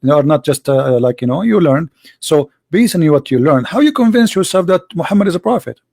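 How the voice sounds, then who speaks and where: Arab speaking guy debating religion, english, keeps repeating questions, kinda high voice. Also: animated, a little fast, vocal fry, a little mellow. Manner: insistent, repeats questions, non-native English phrasing. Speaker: host debating religion with a caller.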